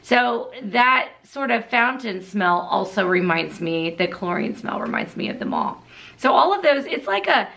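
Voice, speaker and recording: A woman's voice: mid-range voice, sing-song, a little slow, vocal fry, pushed and bright. A middle-aged woman co-hosting a casual vlog, talking to camera in an upbeat, bubbly way and laughing often. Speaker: co-host. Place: indoor home studio set.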